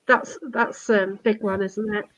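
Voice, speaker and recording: A woman's voice: mid-range voice, level tone, unhurried. A woman hosting a casual live chat, enthusiastic and chatty, often ending on tag questions. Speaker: host taking viewer questions. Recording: dull, lo-fi audio.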